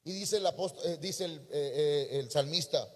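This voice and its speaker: Mexican pastor preaching in a reverberant church. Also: male voice, fairly high pitch, normal speed. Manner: preaching with sudden loud emphatic rises. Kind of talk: sermon.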